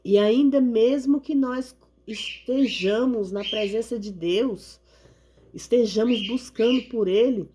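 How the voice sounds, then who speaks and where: A hoarse woman, giving an earnest devotional talk and reading the Bible aloud. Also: a little high, mellow. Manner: earnest, repetitive exhortation with tag questions. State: hoarse from a cold. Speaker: lay preacher.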